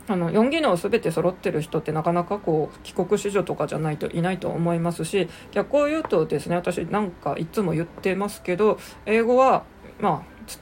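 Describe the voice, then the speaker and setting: A woman hosting a casual solo podcast lesson on English exam preparation, talking relaxed and chatty with many fillers, slowing down on English words. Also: lowish voice, slight background noise. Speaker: podcast host teaching English exam prep.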